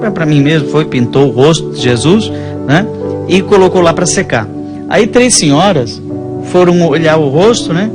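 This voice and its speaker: A man with a Brazilian accent, a priest, talking conversationally about faith and telling stories in a halting, rambling way. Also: a little high, animated. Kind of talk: conversational religious storytelling. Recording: music playing behind the voice.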